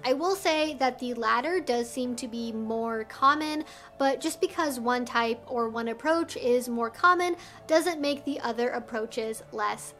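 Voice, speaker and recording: A woman's voice: a little high, fairly bright tone. A woman hosting an explanatory vlog, speaking in an articulate, conversational way and explaining things carefully. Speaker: video host. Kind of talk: explanatory educational vlog, talking to viewers.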